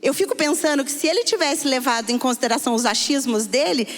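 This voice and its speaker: A woman with a Brazilian Portuguese accent preaching a sermon, telling a story and swinging between hushed and excited tones. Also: sits high, quick pace. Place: church hall. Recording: hall reverb.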